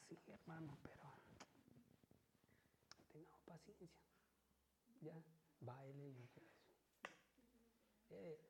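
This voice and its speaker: A man's voice: a little high, a little mellow. A man preaching a church sermon in a conversational way, often checking in with his listeners. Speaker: lay preacher.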